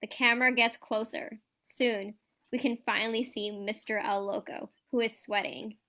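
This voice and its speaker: A woman's voice: on the high side, steady tone, moderate pace, pushed and bright. A woman reading scripted stage directions as narrator of a staged reading.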